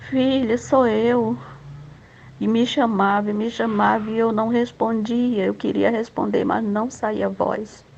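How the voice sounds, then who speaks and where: A woman's voice: medium pitch, level tone, moderate pace, creaky, few pauses, a little mellow. A woman giving an earnest, emotional religious testimony to fellow believers, in a dull, slightly lo-fi recording. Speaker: church member giving testimony. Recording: dull lo-fi with faint noise.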